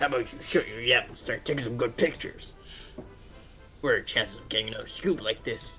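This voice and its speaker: A man at a very fast pace with long, frequent pauses and clear background noise. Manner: brash, eager.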